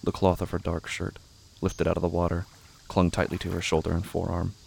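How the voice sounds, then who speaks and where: Man narrating a horror audio drama, really low creaky fry voice, measured and brooding, crickets and noise behind. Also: monotone, a little mellow.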